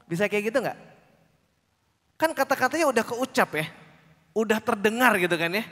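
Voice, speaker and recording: A man leads a public speaking workshop, talking to a young crowd with a playful, teasing energy. His voice sits high for a man, and he drops into short acted-out bits of dialogue. The sound carries a long hall reverb. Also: moderate pace. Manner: lively, teasing, acts out little quoted lines. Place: large conference hall.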